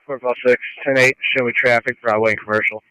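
A man's voice: mid-range voice, flat delivery, quick pace, pushed and bright, no echo, poor audio. A man, a police officer in the field, replying in terse radio codes over a police radio transmission.

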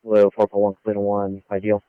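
A man's voice: on the low side, monotone, brisk, no echo. Man on a crackly police radio. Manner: terse, code-like phrasing. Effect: police radio transmission. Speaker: police officer on patrol. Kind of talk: clipped police radio traffic. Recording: narrow phone-like radio band.

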